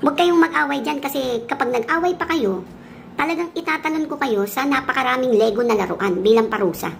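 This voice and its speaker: A woman's voice: high voice, a little fast, vocal fry, slight background noise. Woman doing a cranky, just-woken brain. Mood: angry scolding. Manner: shouting, scolding. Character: grumpy just-woken brain, bossy and irritable.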